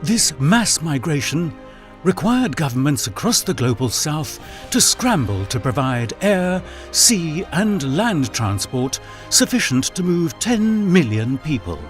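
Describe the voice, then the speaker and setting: Higher-pitched male narrator, animated delivery. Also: slow pace, soft background music. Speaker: voice-over artist. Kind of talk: scripted dramatic documentary narration.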